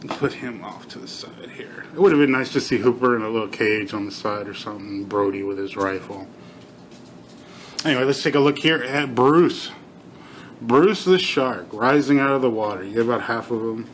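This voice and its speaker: A man's voice: medium pitch, animated, normal speed, a little hiss or hum. A middle-aged man giving a casual, unscripted toy review, slightly slurring as if half his mouth is numb from facial palsy. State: half-paralyzed face from Bell's palsy, relearning to talk.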